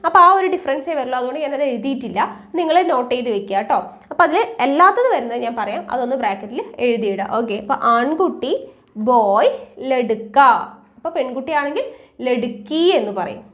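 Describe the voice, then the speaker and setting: A woman teaching a language lesson, patiently repeating words and answering her own questions. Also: high-pitched. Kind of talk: exam-prep language lesson.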